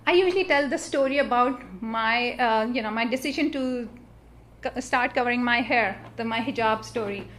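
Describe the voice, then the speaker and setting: A middle-aged Pakistani woman, a native Urdu speaker with a Pakistani accent, speaks earnestly on a panel at an interfaith symposium held in a church hall. Her voice is fairly high and a bit bright, at normal speed, with many fillers and restarts.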